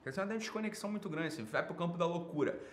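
A man's voice: high voice, animated, rapid-fire, slight background noise. A Brazilian man giving informal, off-the-cuff commentary as a program host, opinionated and emphatic, with repetition and slangy, profane wording.

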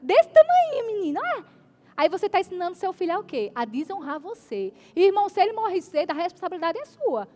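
A woman preacher delivering an emphatic sermon, often asking the congregation "amen?" and reading scripture slowly and deliberately. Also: very high-pitched, animated, a little mellow.

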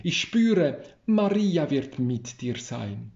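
A man reading as a brisk, motherly old housekeeper. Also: medium pitch, big pitch swings, gravelly, darkish tone, exaggerated voice. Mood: scolding. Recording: roomy, slightly dull recording.

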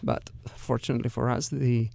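A middle-aged man with a Russian accent, answering interview questions as a company executive in a measured, careful, explanatory way. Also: mid-range voice, flat delivery, vocal fry, darkish tone, no room sound.

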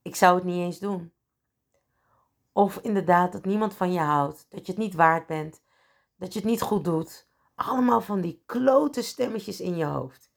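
A woman's voice: fairly low pitch, normal speed, vocal fry. A middle-aged woman hosting a podcast, telling a personal story candidly and with feeling, sometimes acting out inner voices. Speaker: podcast host.

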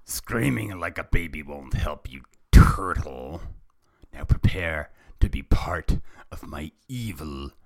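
A man voicing a short-tempered evil mastermind in a story, with a breathy, harsh snarl and a commanding, drawn-out delivery. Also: very deep voice, animated, no room sound, heavily acted. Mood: triumphant, commanding. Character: gloating evil male mastermind villain, short-tempered boss.

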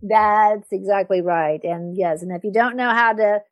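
A woman's voice: medium pitch, normal speed, dry recording. A woman hosting an interview as a communication coach, listening attentively and affirming often. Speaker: host and executive communication coach. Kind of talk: conversational podcast interview.

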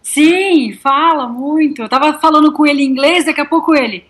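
A woman's voice: high voice, brisk, fairly bright tone. A woman from Brazil with a Brazilian Portuguese accent, cheerfully telling stories of her cycling trip in a casual interview. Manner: cheerful, enthusiastic storytelling. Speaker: touring cyclist guest.

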